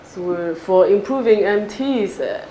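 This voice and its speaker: A woman with a Cantonese accent, fielding audience questions after her lecture and explaining with quick examples. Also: mid-range voice, animated, dark tone. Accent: Cantonese-accented English. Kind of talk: academic Q&A after a talk. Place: lecture hall. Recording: echoey lecture hall with faint noise.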